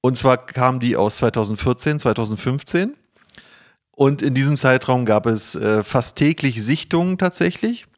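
Informal male podcast host, mid-pitched. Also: normal speed. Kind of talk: casual chat, presenting to co-hosts.

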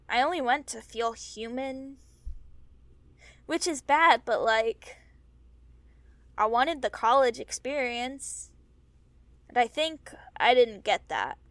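A woman's voice: on the high side, fairly bright tone, dry recording, heavily acted. A woman acting in an audio drama as a wistful, frank young mer-person who is hurting and on the run. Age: young adult.

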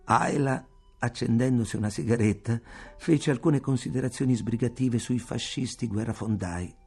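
A man reading literature aloud for radio, measured and expressive. His voice has a gravelly, husky texture at a mid pitch. Soft music sits faintly behind it. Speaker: reader.

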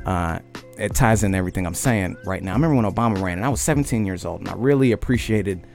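Loud, emphatic young man talking. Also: low-pitched, fast talker, gravelly, faint music behind. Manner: loud-voiced and emphatic, keeps asking "you know what I mean". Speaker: podcast host. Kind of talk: casual conversation.

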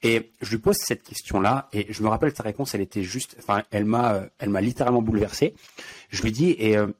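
A man's voice: fairly low pitch, fast. A man from France, hosting an interview podcast, recounts a personal story in a reflective, hesitant way with many fillers. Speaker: podcast host. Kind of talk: conversational interview talk.

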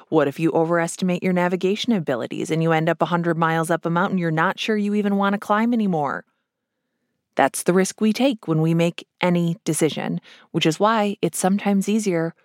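A woman's voice: fairly low pitch, no room sound, studio quality. A woman hosting a podcast, narrating in a wry, playful scripted style with joking asides. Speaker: podcast host.

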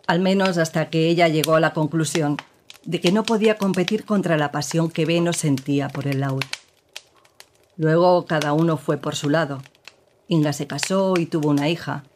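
An actress playing a woman who gravely recounts her partner's past in an audio drama, with measured, serious storytelling. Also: sits low, a little mellow, a little hiss or hum, close to an everyday voice.

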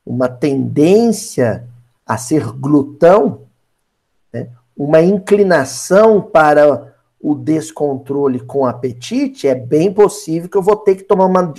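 A man leads a spiritist Bible study in a loose, conversational style. His speech moves through a wide, lively range of pitch, and he keeps turning to his listeners to make a point. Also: gravelly. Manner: animated, talks directly to listeners, acts out quotes. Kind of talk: conversational lecture.

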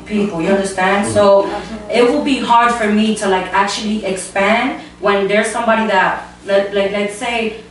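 A woman's voice: mid-range voice, fairly even intonation, normal speed. A twenty-one-year-old Dominican woman, a plus-size model, answering earnestly and casually with frequent fillers. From Dominican Republic. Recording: echoey room from a distance, faint hum.

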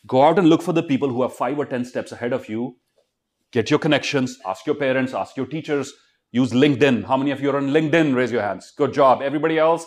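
With a mid-range, slightly mellow voice, a middle-aged man with an Indian accent delivers a motivational talk to students. He's a motivational speaker, emphatic and exhorting, repeatedly throwing rhetorical questions at his audience.

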